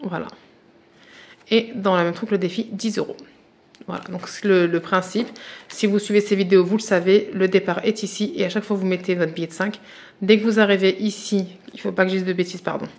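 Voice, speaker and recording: A woman's voice: medium pitch, fairly even intonation, brisk. A French woman chatting casually and eagerly to her viewers about budget challenges as she unboxes them, with many fillers and restarts, and tired. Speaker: budgeting vlogger.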